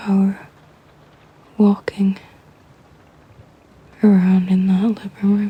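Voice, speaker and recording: Amid noticeable background noise, a woman at a medium pitch speaks very slowly in a monotone, flat intonation with long, frequent pauses. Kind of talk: ASMR sleep aid rambling. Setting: rain in the background. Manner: sleepy, soft-spoken, slow.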